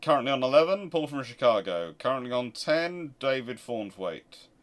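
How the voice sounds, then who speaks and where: The host of a naval history channel runs a casual live Q&A, speaking emphatically and arguing through rhetorical questions. His mid-range male voice swings widely in pitch at a normal speed.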